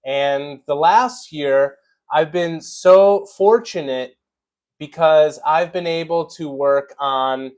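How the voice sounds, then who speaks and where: A man's voice: on the high side, takes it slowly, a little mellow. An American man from Chicago, an English teacher, chatting casually on a live stream and greeting viewers by name with many fillers. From Chicago, USA.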